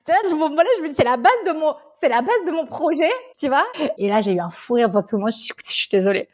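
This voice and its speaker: Fast-talking animated woman telling a story. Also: a little high. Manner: animated, swears casually, keeps saying "tu vois". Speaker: guest, tea salon founder. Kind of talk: casual interview storytelling.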